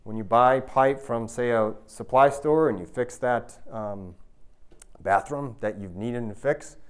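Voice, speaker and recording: An American man in his thirties lecturing to an audience in an emphatic, explanatory manner, often checking in with the listeners. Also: medium pitch. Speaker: university researcher giving a public talk. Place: indoor lecture room with an audience.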